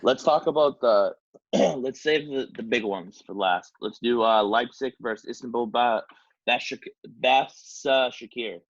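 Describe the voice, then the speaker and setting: A man with a mid-range voice co-hosts a podcast, speaking unhurriedly in casual football talk. He's hesitant and keeps stumbling over foreign names. The audio is dull, lo-fi and dry.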